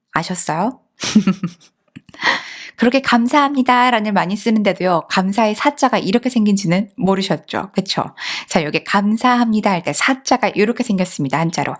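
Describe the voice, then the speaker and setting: A woman teaching an online Chinese lesson, explaining patiently and often asking the listener questions. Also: medium pitch.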